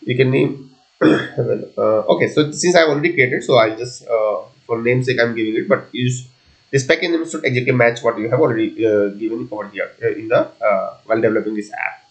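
A man presenting an unscripted software tutorial, talking haltingly as he thinks through each step aloud. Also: mid-range voice, creaky, rough recording. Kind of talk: unscripted screencast coding tutorial.

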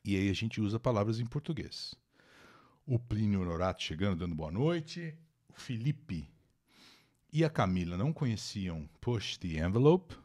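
Reading an article aloud and translating it, a Brazilian man hosts a live English lesson, chatting, greeting viewers by name, and clarifying words and pronunciations. His fairly low voice is expressive and a little mellow, at normal speed, through a new microphone.

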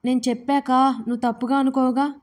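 A frightened young woman speaks in a hushed, broken voice, close to tears, as a female storyteller puts her on. Her voice sits fairly high and dark, with very little rise and fall. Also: flat delivery, natural voice. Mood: anxious. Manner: soft, halting, tearful. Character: young woman, distressed and fragile.

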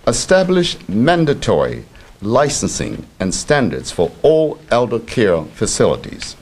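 A man in his sixties reading a scripted political speech at a podium in formal, deliberate, measured phrases. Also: mid-range voice, darkish tone. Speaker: politician giving a campaign speech. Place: indoor press conference room at a podium. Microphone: several press microphones on a podium.

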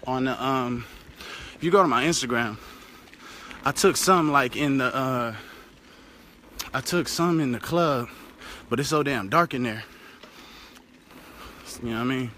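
A bright, forceful mid-range voice belongs to a young American vlogger riding a bicycle on an open road. He speaks with an African American English accent, keeps the talk loose and casually profane, and records on a phone at arm's length, with passing cars and a little hiss or hum.

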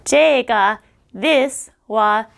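Very slow high-pitched American woman teacher. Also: creaky, a bit bright, slight background noise. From United States. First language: English. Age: middle-aged. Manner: slow, careful, repeats words for drilling. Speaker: English teacher. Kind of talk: explaining grammar on a video lesson.

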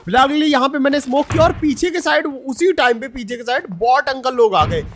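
High-pitched excited young man narrating gameplay. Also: fairly quick, slight background noise. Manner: excited, chatty, addresses viewers as bhai. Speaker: gaming YouTuber. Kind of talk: gameplay commentary voice-over.

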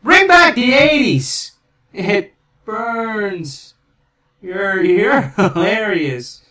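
A man's voice: high-pitched, lively intonation, extremely slow, pushed and bright, heavily acted. A man voicing a brash, manic cartoon demon as a character impression.

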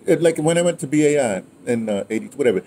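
A man's voice: mid-range voice, fast. An American man in his sixties telling stories casually in a rambling, digressive way, full of check-in tags. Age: 60s. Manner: animated, rambling, digressive, often ending phrases with "right?" and "you know". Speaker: guest recounting his radio history. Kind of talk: casual conversational storytelling. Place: outdoors, by a house with a wooden awning. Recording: clear background ambient noise outdoors.

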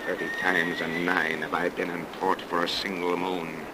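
A man's voice: sits low, flat delivery, normal speed, natural voice. Through the heavy noise of an old 1930s radio broadcast comes a man acting out a cursed ship captain who lives among the dead. He is bitter and vengeful, declaiming in a brooding, grandiose, archaic manner made for horror drama. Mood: anguished, weary.

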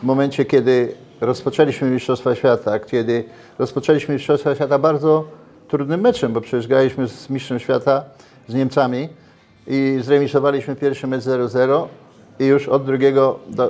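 An older man in a casual interview, talking animatedly with many restarts, recorded on a lapel mic in a brick-walled restaurant. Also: mid-range voice. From Poland. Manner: animated, gestures while talking, frequent restarts. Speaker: interviewee, former footballer.

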